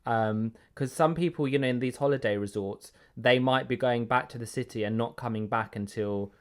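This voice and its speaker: A man's voice: mid-range voice, normal speed. A man with an English accent, raised in Greece, co-hosting a travel podcast in an easygoing, casual chat. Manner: easygoing, relaxed fillers. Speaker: podcast co-host.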